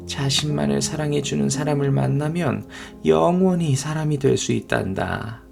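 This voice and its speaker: A man voicing a wise, gentle old mermaid grandmother explaining things slowly in a children's storybook. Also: fairly high pitch, creaky, faint music behind, pitched above the performer's own voice. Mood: gentle, solemn.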